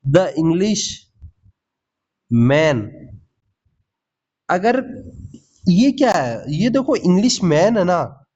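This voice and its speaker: A man with a fairly high voice teaches English grammar in for exam prep. He is lively and keeps checking in with "ठीक है?" and calls his students "भाई". The audio sounds a little dull and lo-fi. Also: drawn-out words, long pauses. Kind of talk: Hindi grammar lesson with English examples.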